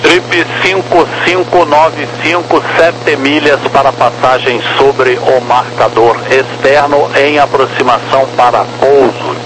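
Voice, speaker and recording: A man's voice: medium pitch, fairly even intonation, takes it slowly. A man working as an approach air traffic controller, giving courteous, formal procedural instructions over a helmet-radio style transmission. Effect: aviation radio transmission, like helmet radio. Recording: noisy humming aviation radio channel.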